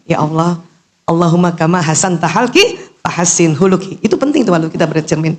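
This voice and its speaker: A middle-aged woman giving an animated religious lecture to women, posing questions and answering them herself, with a teasing manner. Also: on the low side, fairly quick. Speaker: Islamic lecturer and doctor.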